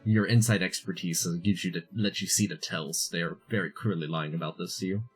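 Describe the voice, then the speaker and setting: A man's voice: low voice, steady tone, a little fast, slightly rough, faint music behind. A man running a tabletop game as game master, narrating and explaining in a hesitant way.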